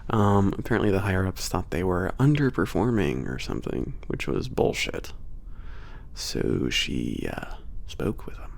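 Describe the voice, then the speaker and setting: A man playing a big, gruff, teasing but secretly caring werewolf trainer in an ASMR roleplay audio drama, talking casually and sardonically with a gravelly low voice. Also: big pitch swings, heavily acted. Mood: explaining, reassuring. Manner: casual, sardonic, hesitant pauses, frequent chuckles and swearing.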